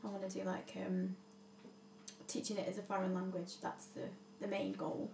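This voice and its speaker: A woman speaks with long, frequent pauses amid noticeable background noise and audible room echo. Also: moderate pace. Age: 30s. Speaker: podcast co-host. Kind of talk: casual chat.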